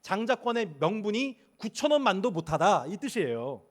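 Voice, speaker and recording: Male pastor, sermon delivery, high and lively voice, storyteller who acts out quotes and asks the room questions. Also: moderate pace. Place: church sanctuary.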